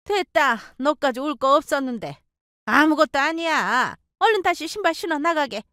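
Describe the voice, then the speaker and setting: A woman voicing a bossy older mother-in-law who scolds and shouts indignantly. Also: sits high, animated, normal speed, no room sound, studio quality, voice pushed up. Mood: angry scolding.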